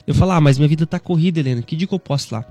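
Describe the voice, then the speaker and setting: A Brazilian man in his thirties speaks as a Christian radio host, easygoing and conversational as he shares a scripture reflection. His voice sits a touch higher than most men's, and faint music plays softly behind him. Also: racing. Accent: Brazilian Portuguese. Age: 30s. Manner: conversational, frequent "né" tags, gentle preaching. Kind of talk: devotional radio talk.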